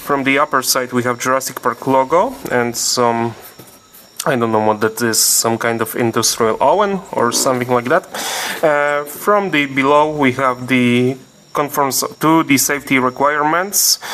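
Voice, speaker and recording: Over noticeable background noise, a man with a Polish accent talks at a moderate pace and medium pitch, with ordinary pitch variation and very even loudness. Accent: Polish accent, non-native English. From Poland. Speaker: toy collector and reviewer. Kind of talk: product review. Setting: at a review table. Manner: halting, with fillers.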